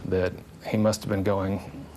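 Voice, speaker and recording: Man, very low and monotone, calm interview testimony, noisy backdrop. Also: measured pace. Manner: calm, matter-of-fact recollection. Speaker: hang glider pilot, witness.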